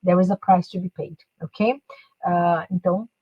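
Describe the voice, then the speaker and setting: A woman, giving a career coaching talk on a live stream and switching into slow English, with frequent "né" and "ok" tags. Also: lowish voice, fairly even intonation, breathy edge, dry recording, highs cut off. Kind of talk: live online talk, mixing Portuguese and English.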